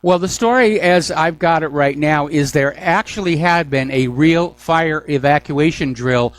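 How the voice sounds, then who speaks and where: Male radio host, call-in show, brisk, fillers, takes calls. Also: fairly high pitch, no echo. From New Hampshire. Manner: brisk, moves callers along with frequent "uh" fillers.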